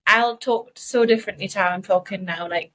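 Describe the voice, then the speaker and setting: A woman's voice: medium pitch, a little fast, fairly bright tone. A young woman from northeast England with a mixed Geordie and South Asian accent, chatting casually and self-deprecatingly as a podcast co-host.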